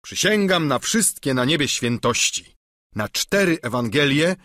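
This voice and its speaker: A man's voice: mid-range voice, very animated, measured pace, a bit bright, husky, dry recording, clean studio sound, heavily acted. A man reading an audiobook, voicing an aging deluded knight with a pompous, declamatory manner. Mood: solemn.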